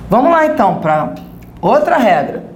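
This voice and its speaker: A woman's voice: a little high, very animated, normal speed, darkish tone, echoey room, slight background noise. A woman with a Brazilian Portuguese accent, teaching a recorded grammar lesson and checking in with the class as she explains.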